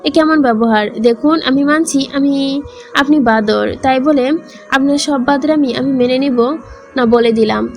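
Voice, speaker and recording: A woman's voice: high-pitched, moderate pace, a little mellow, soft background music. A woman voicing a feisty, flustered young woman, reading a romance novel aloud in a scolding, indignant way.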